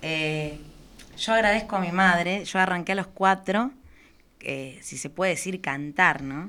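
This woman's voice is bright and sharp, set at a medium pitch with ordinary pitch variation. She speaks at a fairly slow pace, with big swings in loudness. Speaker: cumbia singer and streaming show host. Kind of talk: casual radio interview. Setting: radio studio.

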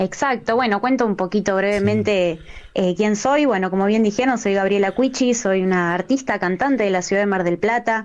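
A woman with an unremarkable speaking voice talks at medium pitch and a fairly quick pace. She uses ordinary pitch variation and hardly any pauses. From Argentina. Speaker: folk singer. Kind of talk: interview. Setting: remote call.

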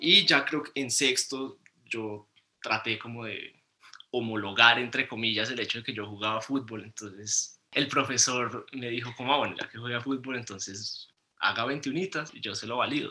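At a fairly slow pace, a man talks in a normal speaking voice with a medium pitch and ordinary pitch variation. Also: big swings in loudness. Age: 20s. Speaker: history student. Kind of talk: interview.

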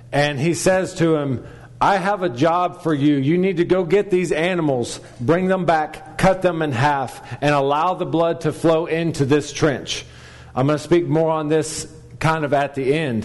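Against noticeable background noise, a man talks at a fairly slow pace with a fairly high pitch and fairly even intonation. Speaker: traveling preacher and missionary. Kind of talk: sermon. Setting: church service with congregation. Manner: loud.

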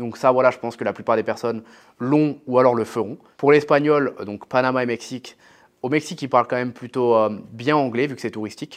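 A man talks at a fairly quick pace in a normal speaking voice, medium in pitch. His intonation is fairly even against a quiet background. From France. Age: 20s. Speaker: online entrepreneur. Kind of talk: casual interview.

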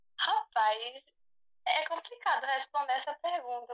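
A woman talks in a bright, sharp tone at a fairly slow pace. The sound is dry and close, with no echo. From Brazil, interior of Pernambuco (Northeast). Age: 20s. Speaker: K-pop fan. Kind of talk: casual interview.

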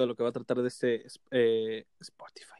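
At a moderate pace, the voice has a dark, mellow tone and a dry, close sound with no echo. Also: man. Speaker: podcast co-host. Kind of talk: casual chat. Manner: announcer-like when presenting.

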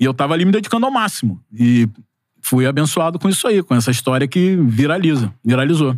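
Very fast and with very even loudness, a man delivers his words. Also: fairly high pitch for a man, lively intonation. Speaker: sports commentator. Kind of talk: casual chat. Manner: relaxed conversational.

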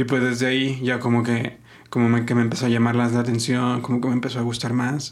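At a very fast pace, a man talks in a monotone, flat intonation at medium pitch, his loudness very even. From Guadalajara and Michoacán, Mexico. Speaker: host's fiancé. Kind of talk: casual chat. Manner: quiet.

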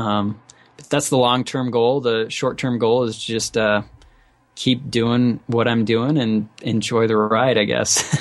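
This man talks at a fairly slow pace with monotone, flat intonation. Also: medium pitch for a man. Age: 20s. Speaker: futures trader. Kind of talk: interview. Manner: halting, many fillers.

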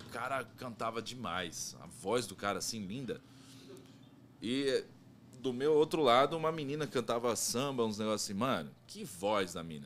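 A man with an ordinary speaking voice talks at a moderate pace in a medium pitch, his intonation lively and his loudness swinging widely. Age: 30s. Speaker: bus driver. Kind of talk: casual chat.

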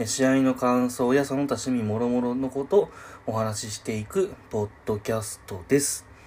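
At a moderate pace, a man with an unremarkable speaking voice talks at a medium pitch, with ordinary pitch variation. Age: 30s. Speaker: wrestling podcast host. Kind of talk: casual solo review podcast. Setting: internet cafe booth.

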